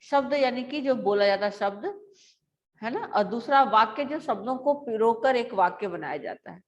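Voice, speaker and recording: A woman teacher giving a grammar lesson to schoolchildren, explaining slowly and repeating words aloud. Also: on the high side, highs cut off.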